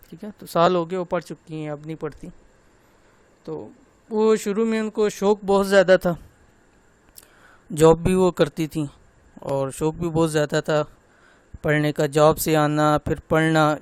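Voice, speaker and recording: A man teaching Quran recitation, slowly spelling out syllables and pointing out common mistakes. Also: on the high side, smooth, no room sound. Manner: slow, drawn-out demonstration of syllables, then gentle personal talk. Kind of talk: online tajweed lesson.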